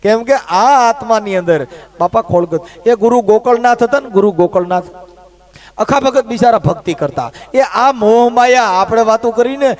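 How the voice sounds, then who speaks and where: A man's voice: very high voice, animated, normal speed, darkish tone. A middle-aged man, telling a folk tale in a rustic, chatty way, full of comic asides. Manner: rustic, chatty, acts out quoted voices. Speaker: folk humorist.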